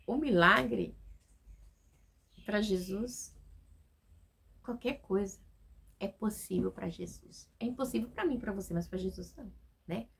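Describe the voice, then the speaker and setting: Here the Bible teacher is a woman with a husky, mid-range voice and a Brazilian Portuguese accent. Her devotional study is laid-back, mixing scripture read aloud with friendly check-ins with her listeners.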